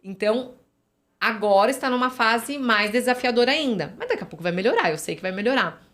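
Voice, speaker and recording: A woman's voice: a little high, expressive, brisk, a bit bright. Chatty São woman telling stories. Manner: chatty, storytelling, many fillers and tag questions. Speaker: physiotherapist, podcast guest. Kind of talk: casual podcast conversation.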